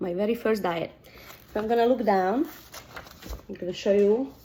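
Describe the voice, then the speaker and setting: The speaker has a Slovak accent. There is noticeable background noise. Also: woman. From Slovakia. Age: 40s. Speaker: fitness vlogger. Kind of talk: casual vlog. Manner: hesitant, many fillers.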